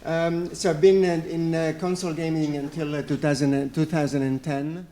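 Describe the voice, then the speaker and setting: A man in his forties introducing himself on a conference panel, in a relaxed, self-deprecating way. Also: fairly high pitch, moderate pace. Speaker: panelist, publisher CEO.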